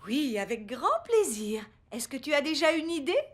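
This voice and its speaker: A woman voicing a kindly, playful mother in a French-dubbed preschool cartoon, expressive and gentle. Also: high voice, normal speed. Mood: cheerful.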